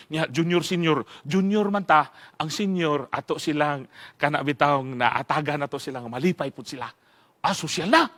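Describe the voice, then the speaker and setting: A man from the Southern Philippines preaching a sermon, telling an animated story with frequent laughs. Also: a little high.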